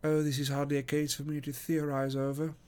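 A man voicing an assured, analytical gentleman detective in an audiobook, speaking in a precise, dry, instructive manner. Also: a little high, a little fast, pitched above the performer's own voice, natural voice. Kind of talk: audiobook character acting.

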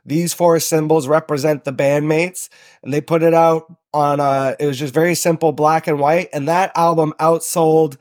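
A young man from Southern Ontario, talking as a podcast guest. His voice sits a little high, and he rambles along in a loose, relaxed way with lots of ums and uhs. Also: normal speed. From Southern Ontario, Canada. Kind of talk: casual interview chat.

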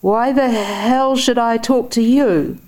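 A woman's voice: fairly high pitch, fairly even intonation, slow pace, voice pushed up. A woman reading a story aloud, voicing a big, belligerent drunk male labourer who bellows his lines. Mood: angry. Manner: loud, bellowing, hostile.

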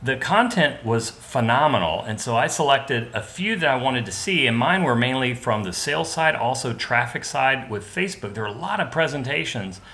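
A man from the American Midwest chats as a podcast guest, telling stories in a loose, rambling way with easy jokes. His voice has a bright, forward edge. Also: mid-range voice, moderate pace, few pauses. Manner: relaxed, joking, rambling storyteller. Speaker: podcast guest, business partner. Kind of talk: casual podcast chat.

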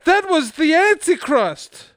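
A man's voice: very high-pitched, big pitch swings, slow, fairly bright tone, no room sound, clean studio sound, pitched above the performer's own voice, exaggerated voice. A man voicing a distraught, vengeful gypsy woman in a comic story, screaming dramatically. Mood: frantic. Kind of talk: comic short-story reading.

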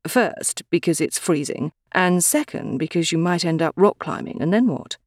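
A woman voicing a calm, pragmatic young woman who speaks in a matter-of-fact way, in an audiobook. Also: fairly low pitch, moderate pace, no echo, clean studio sound.

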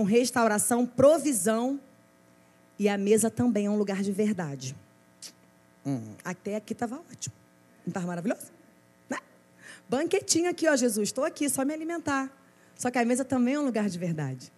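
A woman pastor with a Brazilian accent delivers a sermon, her voice pitched somewhat high. She preaches in a lively, chatty manner and keeps checking in with her listeners. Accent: Brazilian Portuguese. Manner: lively, conversational preaching with rhetorical asides.

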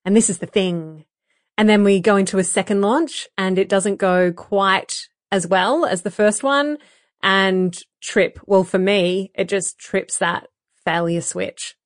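A woman co-hosting a podcast, talking candidly with a croaky voice, laughing often and using many fillers. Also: mid-range voice, measured pace, dry recording, studio quality. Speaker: podcast co-host. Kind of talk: casual podcast chat.

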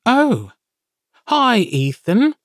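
A squeaky little demon familiar. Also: male voice, sing-song, drawn-out words, dry recording, clean studio sound, heavily acted. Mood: eager. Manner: high squeaky eager voice. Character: small impish male demon familiar, loyal.

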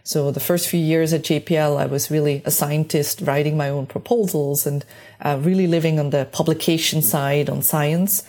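Low-voiced, slightly husky Swiss-born woman. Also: steady tone, moderate pace, darkish tone. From Switzerland. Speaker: podcast guest, space mission engineer. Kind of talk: conversational interview answers.

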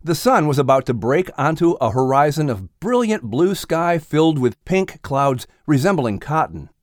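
Animated male storybook narrator. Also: a little high, moderate pace, no room sound, clean studio sound. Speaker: audiobook narrator. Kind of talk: scripted children's story narration.

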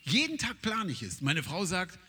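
A man preaching a sermon as an evangelist, telling stories and acting out the dialogue, dropping to a hush one moment and rising loud the next. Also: high voice, normal speed, slightly rough. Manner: animated storytelling, acts out dialogue, swings from hushed to loud. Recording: long hall reverb.

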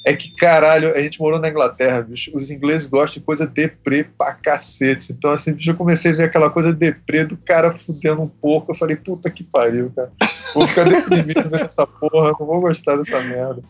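A man's voice: on the high side, steady tone, fast talker, highs cut off. A middle-aged man chatting casually with friends over a video call, cursing freely and trailing off mid-sentence. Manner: profane, laid-back, trailing off mid-sentence. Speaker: podcast co-host. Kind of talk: casual chat among friends.

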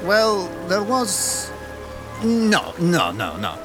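A man playing a gloomy, vain henchman with broken English; high, lively pitch. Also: very slow, over music, full character voice. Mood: hesitant.

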